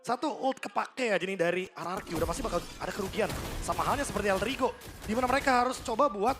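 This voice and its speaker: Music plays behind an Indonesian man analysing a live esports match. He speaks briskly in a notably high male voice, explaining play as a commentator.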